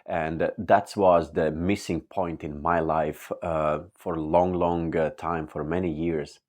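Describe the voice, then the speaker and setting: A man from Latvia sharing a personal faith testimony in earnest, halting English with many pauses. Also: a bass voice, steady tone, darkish tone. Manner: earnest and open. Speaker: church member giving testimony.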